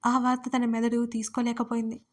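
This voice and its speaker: A woman reads a romantic audio story aloud, steady and measured. Her voice sits fairly high and barely moves in pitch, giving a flat, even delivery. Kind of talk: scripted story narration.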